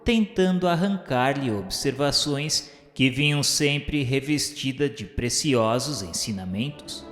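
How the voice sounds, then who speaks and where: A man's voice: mid-range voice, animated, takes it slowly, hardly any pauses, a bit bright. Man narrating earnestly in a reverberant room. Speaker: narrator and first-person character. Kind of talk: scripted radio drama narration. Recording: roomy, reverberant hall sound with music.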